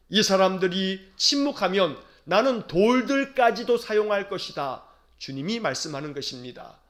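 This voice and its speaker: Male pastor, high voice, earnest dawn-service preaching with repeated phrases and rhetorical questions. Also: a bit bright. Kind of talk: early-morning sermon.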